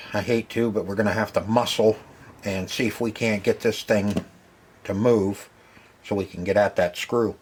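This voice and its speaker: A man's voice: on the low side, slight background noise. A man casually narrating a hands-on repair as he goes, muttering to himself in short, folksy remarks. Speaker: host of a retro repair video channel.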